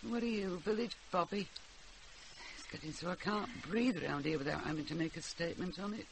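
A woman's voice: fairly low pitch, fairly quick, background noise, lightly acted. An actress playing a blunt, teasing old grandmother in a radio drama. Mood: gruff, teasing. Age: older. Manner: blunt, dryly scolding.

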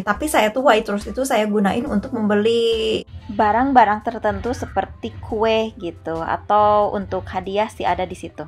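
A woman in her thirties with an Indonesian accent, chatting casually to camera in her living room and speaking directly to her viewers. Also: mid-range voice. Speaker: vlogger. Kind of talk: casual vlog talk to camera. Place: living room at home, indoors.

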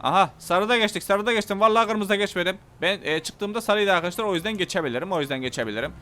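A man giving casual gameplay commentary, excitable, shouting angry threats one moment and muttering calmly to himself the next. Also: sits high, fast. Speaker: gameplay YouTuber.

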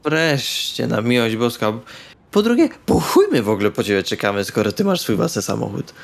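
A man's voice: medium pitch, very animated, a little fast, vocal fry. A man speaking casually and bluntly as a player in a tabletop role-playing session. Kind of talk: casual in-character banter in Polish tabletop session.

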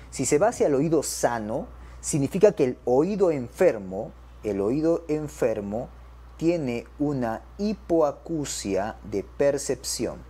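A male medical lecturer with a mellow, warm tone and a lively, swinging delivery. He teaches an exam-prep class to doctors and keeps checking in with them as he goes. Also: on the high side, breathy edge. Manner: addresses the audience as doctors.

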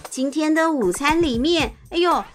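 A woman's voice: sits high, animated, normal speed. A woman telling a picture-book story as if reading to a toddler, exclaiming and asking little questions. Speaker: host, storyteller. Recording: music behind the voice. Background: soft music.

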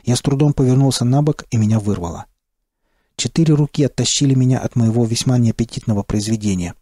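A man narrating an audiobook in the first person with a steady, terse delivery. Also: mid-range voice, fast talker, husky, no echo, studio quality.

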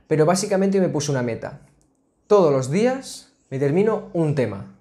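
A man in his twenties talking casually to his webcam from a small home office, chatty and full of restarts. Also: on the high side. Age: 20s. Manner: chatty, restarts and filler sounds, animated hand gestures. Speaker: student vlogger. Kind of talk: casual explainer vlog. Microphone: laptop webcam, framed at a desk.

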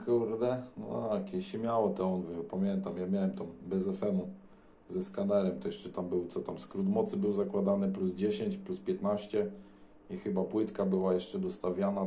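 Low, mellow Polish man in an echoey room. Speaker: CB radio operator. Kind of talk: casual radio chat. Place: indoors beside a radio transceiver. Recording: echoey room, faint noise.

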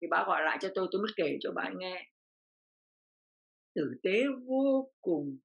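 A woman's voice: on the low side, expressive, moderate pace, vocal fry, dull audio. An older woman from Vietnam, an interview guest, telling a personal story with feeling and repeating phrases as her voice rises.

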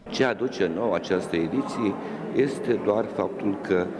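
Deep old guy giving formal interview in a gallery, noisy in the background. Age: older. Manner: deliberate, formal. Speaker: art expert interviewed. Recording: noisy room.

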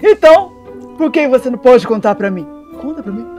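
High-pitched, dopey cartoon cat. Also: lively intonation, fairly quick, darkish tone, faint music behind. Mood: dopey, curious. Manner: dopey, dim-witted drawl. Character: dopey male cartoon cat, friendly and teasing. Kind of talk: improvised Minecraft role-play.

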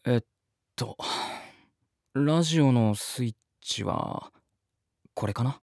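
A man's voice: mid-range voice, takes it slowly, vocal fry, a little mellow, no room sound. An actor playing an earnest, polite man who narrates his journey reflectively in an audio drama. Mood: hesitant.

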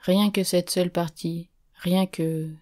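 A woman voicing a desperate young male gambler who pleads and shouts in an urgent, raised voice. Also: lowish voice, steady tone, takes it slowly. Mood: pleading.

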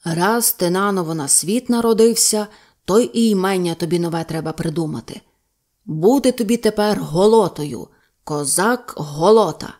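A woman voicing a wise, calm old male Cossack mystic, speaking slowly and solemnly. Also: fairly low pitch, natural voice.

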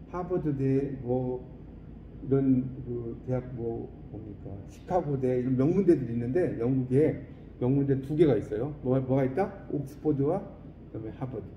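A man teaching an English class, quizzing his students and reading English phrases slowly and deliberately. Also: medium pitch, reverberant, highs cut off, a little hiss or hum. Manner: lively, quizzing students with questions.

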